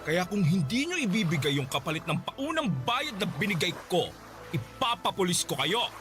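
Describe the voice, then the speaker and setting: An actor playing a flamboyant, impatient gay man who teases and pushes, with drawn-out hums. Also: high-pitched, very animated, over music. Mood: angry, threatening. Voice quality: teasing, theatrical, drawn-out hums. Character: flamboyant gay male client, pushy, impatient. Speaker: voice actor in radio drama.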